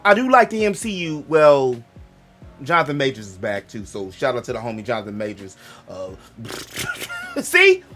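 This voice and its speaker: Young man, Black American accent, digressive and joking, with lively swinging pitch and faint music under him. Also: normal speed. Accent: African American English. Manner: loose, joking, digressive, self-interrupting. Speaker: gaming channel host. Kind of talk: rambling casual monologue.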